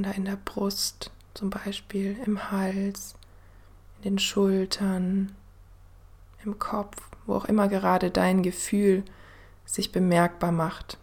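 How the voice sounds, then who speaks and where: A woman host guiding a meditation in the soothing manner of a sleep story narrator, gentle and unhurried, with a soft, breathy voice that often drops to a near-whisper. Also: medium pitch. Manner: gentle, unhurried, with long pauses. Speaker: podcast host and meditation guide.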